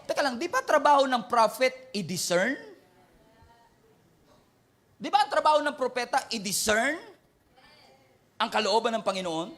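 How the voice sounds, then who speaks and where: A male pastor with a Filipino accent preaching a sermon, mixing Tagalog and English, loud and emphatic. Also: extremely high pitch.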